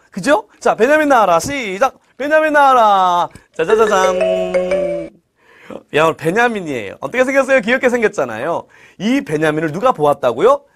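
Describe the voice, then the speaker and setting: A man tells a Bible story to children in a playful way, often asking them questions. His voice sits high for a man. His intonation rises and falls with great liveliness. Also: fairly bright tone. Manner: playful, asks the children questions, adds sound effects.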